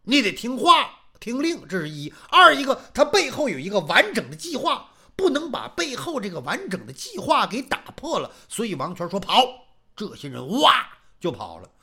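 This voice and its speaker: Sex: man. Role: lively storyteller with a high, animated voice. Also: moderate pace, few pauses, slightly rough. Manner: lively, conversational, many asides. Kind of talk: traditional oral storytelling.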